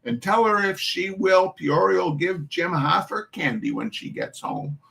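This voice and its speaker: A man's voice: high-pitched, very animated, creaky, sharp tone, voice pushed up, full character voice. A man voicing a bustling, bossy mother of a big poor family, with an attempted urban Irish dialect. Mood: scolding. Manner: brisk, ordering people about. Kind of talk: storybook reading.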